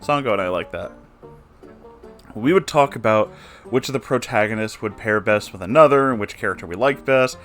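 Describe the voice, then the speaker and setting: A man narrating a story as a host, in an expressive, jokey and casually sweary way with offhand asides. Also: lowish voice, a little fast, soft background music. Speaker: host reading submitted stories aloud.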